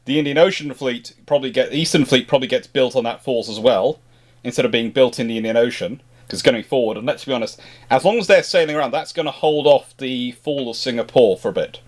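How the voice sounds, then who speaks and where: A man with a medium-pitched voice explains his thinking as host of a casual history show. He talks at length, speculating freely. He often restarts and rewords a point as he goes. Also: quick pace.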